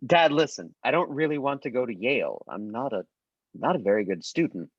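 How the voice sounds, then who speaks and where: A man acting an earnest, troubled teenage son who speaks haltingly and deferentially in a drama table read. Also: medium pitch, big pitch swings, no room sound, highs cut off. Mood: nervous, earnest. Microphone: video call microphone.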